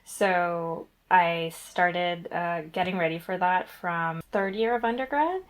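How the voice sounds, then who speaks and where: A woman's voice: fairly low pitch, takes it slowly. A young woman from Guyana, a guest researcher, answering interview questions in a chatty, rambling way with fillers and self-corrections.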